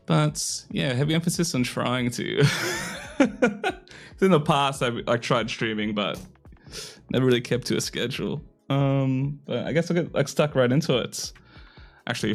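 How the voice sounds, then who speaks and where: A young man chats casually on a live stream, rambling with lots of fillers and poking fun at himself. His throat is a little hoarse and his voice sits at an ordinary middle pitch. Faint music plays behind him. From Australia. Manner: rambling and self-deprecating, full of fillers.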